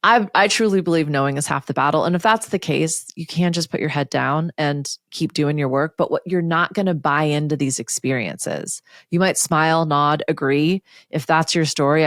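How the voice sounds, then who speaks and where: A woman hosting a solo podcast, speaking in a candid, conversational way with the odd curse word and quick put-on voices for other people. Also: sits low, no echo, clean studio sound. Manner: candid, conversational, occasionally profane. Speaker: podcast host and coach. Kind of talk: casual solo podcast talk.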